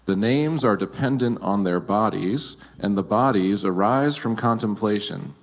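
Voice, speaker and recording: A man's voice: lowish voice, measured pace. A man acting as moderator, carefully reading out questions in a polite, deferential way. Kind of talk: careful reading aloud to a teacher.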